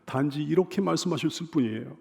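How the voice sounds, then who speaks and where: A man's voice: on the high side, fast talker, vocal fry, darkish tone. A male pastor delivering a Sunday sermon, emphatic and repeating his exhortations with rhetorical questions to the congregation.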